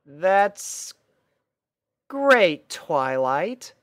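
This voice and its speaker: Casting: male reader as stately mare princess for a fantasy story, raised voice, composed, slow and faintly incredulous. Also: high-pitched, sing-song, a bit bright, dry recording, clean studio sound, voice pushed up, heavily acted. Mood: exasperated. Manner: measured, composed, slightly incredulous. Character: serene regal adult female pony ruler, quietly exasperated.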